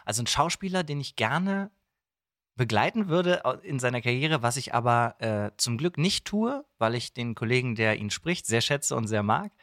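A man chatting casually as an interview guest, telling anecdotes in an animated way. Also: mid-range voice, normal speed, dry recording, studio quality. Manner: animated storyteller, acting out quoted dialogue. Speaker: podcast guest, voice actor and dubbing director.

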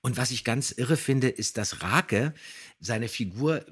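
A man's voice: medium pitch, expressive, takes it slowly, slightly rough. A man hosting a podcast, chatting about an audio drama in a hesitant, searching way. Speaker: podcast host.

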